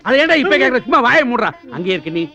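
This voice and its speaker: An actor playing a blustering middle-aged lawyer in a film comedy, flustered and pleading. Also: male voice, extremely high pitch, very animated, rapid-fire, pushed and bright, exaggerated voice. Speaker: senior lawyer, father. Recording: dull lo-fi film audio with music.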